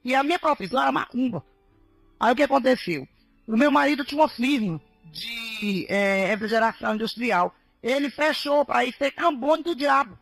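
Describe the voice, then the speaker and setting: A woman missionary telling her testimony as an animated sermon, often addressing the listeners as brothers. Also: fairly high pitch, moderate pace, creaky, faint music behind. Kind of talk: preaching testimony to a congregation.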